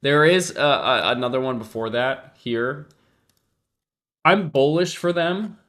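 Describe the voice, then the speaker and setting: A man's voice: mid-range voice, expressive, slow pace, fairly bright tone. A man with a congested nose talks casually on his live stream. He thinks aloud, talks to his chat and often trails off. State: congested, sniffling. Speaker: livestream trader. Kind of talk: casual livestream commentary.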